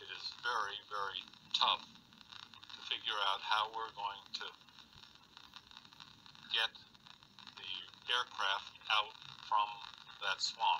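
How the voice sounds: A bright, sharp tone carries slow speech with little pitch movement and long, frequent pauses. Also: man, fairly low pitch for a man.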